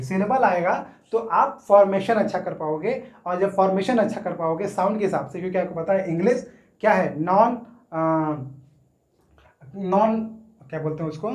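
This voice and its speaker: A man teaching English grammar in a casual Hindi lesson. He explains step by step, stretches words out slowly when sounding them, and keeps checking in with his students. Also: high voice, a little mellow. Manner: explains step by step, often checks in with "theek hai na". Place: room, writing on a board. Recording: echoey room.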